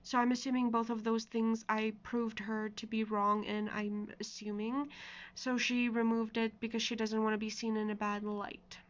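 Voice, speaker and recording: A woman speaks in a fairly high voice with very little rise and fall. She comments casually as a video creator, explaining in an informal, rambling way and reading comments aloud. The sound is slightly dull and lo-fi. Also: little pitch movement, normal speed.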